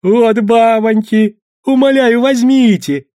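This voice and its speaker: A man doing a shrill fawning little merchant. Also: slow, mellow, no room sound, studio quality. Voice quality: thin high voice. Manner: fawning, pleading. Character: short beardless fawning male merchant.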